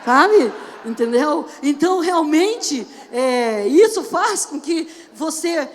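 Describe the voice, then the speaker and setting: Pastora do sul do Brasil, voz aguda, pregação animada e coloquial. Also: female voice, sits high, takes it slowly. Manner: animated and conversational, often asks the audience "entendeu?". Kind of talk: sermon. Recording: long church reverb.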